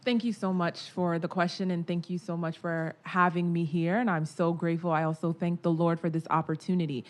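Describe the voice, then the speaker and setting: A woman's voice: on the low side, flat delivery, a little fast. A woman panelist making emphatic points, often repeating a phrase to build her argument. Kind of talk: panel discussion remarks.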